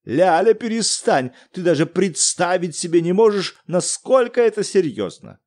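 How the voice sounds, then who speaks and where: A man reading an audiobook, voicing an excitable elderly academic who shouts in loud, theatrical bursts. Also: high voice, measured pace, voice pushed up. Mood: frantic. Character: excitable elderly male academic, pompous then frantic.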